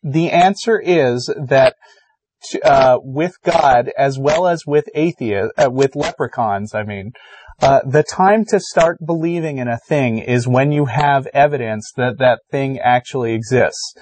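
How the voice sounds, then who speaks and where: A man's voice: medium pitch, measured pace, a little mellow, a little hiss or hum, low-quality recording. A man hosting a call-in show, debating a caller and persistently pressing his questions.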